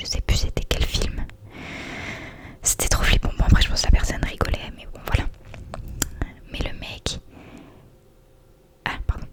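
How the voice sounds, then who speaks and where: A woman whispers at a moderate pace, with long, frequent pauses and big swings in loudness. Noticeable background noise is present. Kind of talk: ASMR commentary reading listeners' scary stories, casual chatty tone. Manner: whispered, soft.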